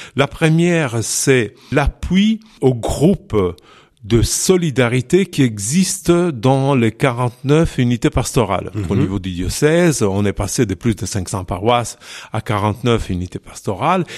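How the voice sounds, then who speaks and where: Speaking very slowly with an Italian accent, a man at a medium pitch swings very widely up and down, recorded with a dry, close sound and no echo. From Italy, Emilia-Romagna (near Reggio Emilia). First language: Italian (speaking French). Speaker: retired NGO director, diocesan solidarity coordinator. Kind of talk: radio interview. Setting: office. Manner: halting.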